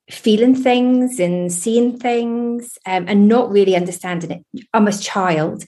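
Earnest English woman in her fifties. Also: medium pitch. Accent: English, with a Scottish tinge. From England. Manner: earnest, candid, warm. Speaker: spiritualist medium guest. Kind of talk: podcast interview, personal storytelling.

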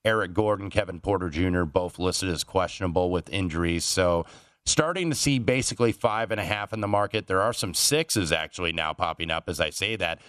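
Low-voiced man, dry studio sound. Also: brisk, a bit bright, dry recording. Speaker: sports betting analyst. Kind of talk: conversational odds analysis.

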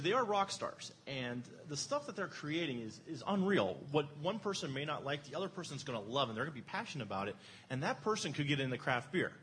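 Here a medium-pitched, fairly bright male voice comes through with slight hiss or hum. The speaker, an Erie, Pennsylvania native, co-hosts a beer show in relaxed conversation, eager, joking and poking fun at himself.

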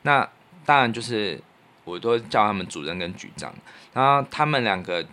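A man's voice: fairly low pitch, expressive, moderate pace, bright, forceful tone. A man with a Taiwanese Mandarin accent co-hosting a podcast, telling stories casually in an earnest, reflective, colloquial way. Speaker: podcast co-host and radio professional. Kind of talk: casual conversational storytelling.

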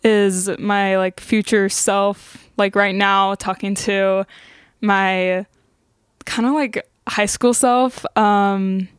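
A woman's voice: mid-range voice, fairly even intonation, extremely slow, smooth, no room sound, clean studio sound. A young adult woman chatting casually as an interview guest, hesitant and leaning on "like" as a filler. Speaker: singer-songwriter guest.

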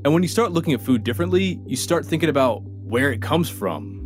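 A man's voice: fairly high pitch, expressive, fairly quick. A man hosting and narrating a food documentary in a playful, conversational way. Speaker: host and reporter. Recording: light music underneath.

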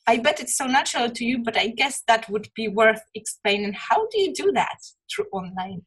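A woman's voice: on the high side, expressive, moderate pace, fairly bright tone, slightly rough, low-quality recording. A woman hosting an interview, talking in a friendly, rambling way with many fillers. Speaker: interview host. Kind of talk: casual interview chat.

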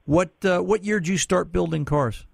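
A man's voice: sits high, moderate pace, gravelly, slightly rough, no room sound, clean studio sound. A man hosting a call-in car radio show, chatting in a folksy, opinionated way with callers. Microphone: studio mic.

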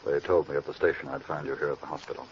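A man's voice: rumbling low, fairly even intonation. A man playing a grave, businesslike federal agent in a vintage radio crime drama. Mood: brisk, grave. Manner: brisk, businesslike. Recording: muffled, noisy old radio recording.

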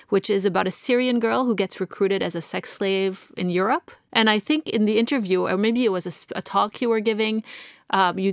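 A woman hosting an interview, asking chatty, curious questions and following up quickly. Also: mid-range voice, creaky, no echo, studio quality. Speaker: interviewer host. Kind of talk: casual interview conversation.

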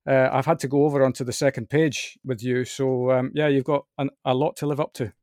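A man from Scotland with a softened Scottish accent, hosting a podcast in a bright, chatty, self-deprecating way. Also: mid-range voice, fairly even intonation, fairly quick, no room sound, studio quality. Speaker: podcast host. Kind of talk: upbeat podcast chat.

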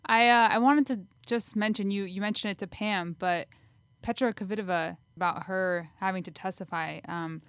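A woman's voice: mid-range voice, normal speed, fairly bright tone, clear, resonant tone, dry recording. A woman co-hosting a sports podcast in a casual, conversational style. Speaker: podcast co-host.

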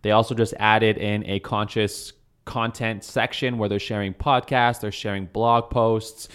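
A man's voice: on the low side, little pitch movement, a little slow, fairly bright tone, smooth. A man hosting a podcast, talking earnestly and encouragingly about his beliefs. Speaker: podcast host. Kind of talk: casual podcast talk.

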